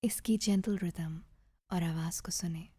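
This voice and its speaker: A woman narrating a guided meditation in a soft, breathy, soothing voice, measured and with gentle pauses. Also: on the low side, steady tone, dry recording, clean studio sound.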